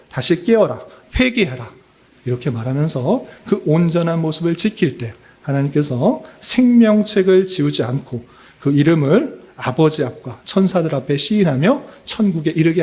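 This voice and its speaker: Korean man preaching, dark voice. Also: a little high. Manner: questions to the congregation, then answers them; often fills pauses with "예" and "에". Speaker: pastor. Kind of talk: Bible exposition sermon. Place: church.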